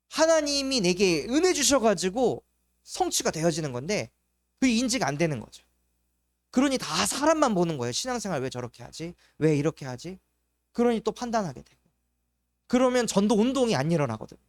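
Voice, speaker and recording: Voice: medium pitch, dry recording, clean studio sound. A junior pastor preaching at an evangelism school, explaining step by step with rhetorical questions and acting out complaining inner thoughts.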